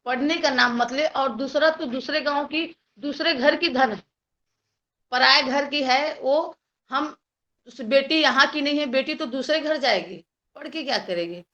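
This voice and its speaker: High-voiced Chhattisgarhi woman telling her story. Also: a little slow, bright, forceful tone. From Chhattisgarh, India. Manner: earnest, heartfelt storytelling that acts out the voices of people she quotes. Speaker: guest speaker. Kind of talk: personal life story talk. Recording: dull lo-fi recording.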